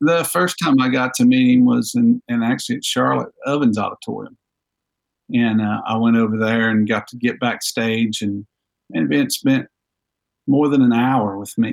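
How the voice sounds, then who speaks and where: A man speaks with a North Carolina accent at a moderate pace. His medium pitch shows ordinary variation. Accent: Southern US, North Carolina. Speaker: bluegrass musician. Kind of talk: casual interview.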